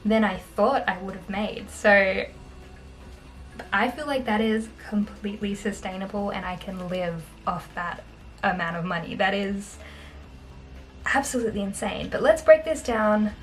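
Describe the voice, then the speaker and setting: A young Australian woman in her twenties, chatting casually on camera in a small bedroom, upbeat and quick to laugh. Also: medium pitch, faint music behind, rough recording. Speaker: vlogger. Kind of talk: casual talking-head finance vlog.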